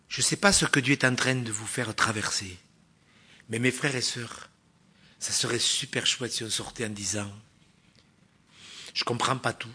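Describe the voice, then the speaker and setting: Male preacher, husky voice, sermon, emphatic, loud stresses and hushed asides, rhetorical questions. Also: fairly low pitch.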